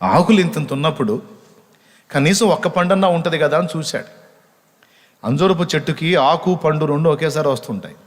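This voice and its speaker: A man's voice: a little high, expressive, normal speed, pauses often. A man preaching a sermon as pastor, emphatic, repeating phrases for stress. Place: church hall. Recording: long church reverb.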